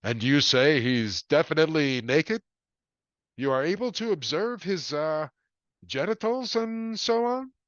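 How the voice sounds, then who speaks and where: A man's voice: on the high side, animated, a little slow, a bit bright, dry recording, pitched above the performer's own voice. Casting: man playing polite, incredulous desk sergeant on the phone, dry muffled sound. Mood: bemused. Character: bland bemused male police desk sergeant.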